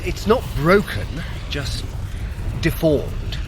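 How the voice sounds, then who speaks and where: A man's voice: on the high side, very animated, takes it slowly, over music. An actor playing a wry, prickly male trickster god and sorcerer in an audio drama, with a dry, sardonic manner. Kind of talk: scripted audio drama acting for a running workout.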